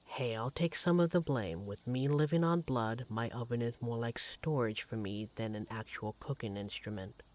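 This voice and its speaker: A man playing an affectionate, devoted vampire partner in a roleplay audio drama, speaking in a tender, gently teasing, conversational way. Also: medium pitch, moderate pace, few pauses, natural voice. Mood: teasing, amused. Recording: clearly audible background noise, sizzling kitchen effects.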